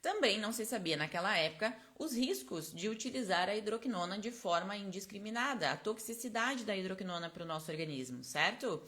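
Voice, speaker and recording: A woman's voice: medium pitch, lively intonation, brisk, hardly any pauses, fairly bright tone. A woman teaching a live online class, chatty and explanatory, tagging her points with constant little check-in questions, close to her microphone. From Brazil. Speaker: esthetics course instructor. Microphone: close personal microphone.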